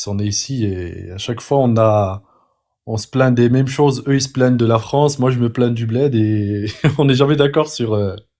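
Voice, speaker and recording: A man's medium-pitched voice at a moderate pace, with ordinary pitch variation, over a quiet background. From northern Morocco, Rif. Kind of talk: testimony in casual chat. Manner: hesitant, many fillers.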